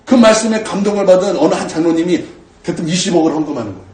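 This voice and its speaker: A man preaching in a church with a high, lively voice that swings widely in pitch as he tells stories and acts out his prayers. He sounds set back from the mic in a roomy, echoing space. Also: racing, distant mic. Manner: animated storytelling, acting out his own prayers. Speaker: pastor. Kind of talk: sermon. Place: church sanctuary.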